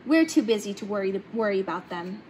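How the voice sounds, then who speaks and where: A woman's voice: medium pitch, animated, fast, darkish tone, a little hiss or hum, voice pushed down, natural voice, rough recording. A woman voicing a determined, earnest eight-year-old inventor girl from a storybook. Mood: calm, determined.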